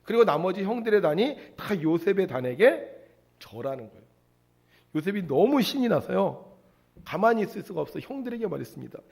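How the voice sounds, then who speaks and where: Male pastor, storytelling sermon, lively up-and-down delivery, a touch high. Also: fairly quick, creaky, breathy edge. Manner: animated storytelling, asks the congregation questions.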